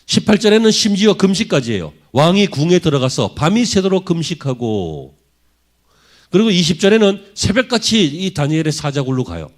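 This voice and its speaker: A male pastor delivers a sermon in a church, his voice sitting a bit high for a man and swinging widely in pitch. He keeps pressing his listeners with rhetorical questions, dropping low and soft at times, then lifting his voice again. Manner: animated preaching full of rhetorical questions to the congregation. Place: church sanctuary.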